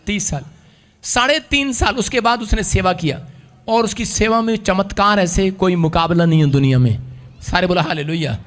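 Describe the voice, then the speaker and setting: A male preacher, giving a lively sermon that swings between shouts and hushed asides. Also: sits high, normal speed. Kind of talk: energetic sermon with call-and-response.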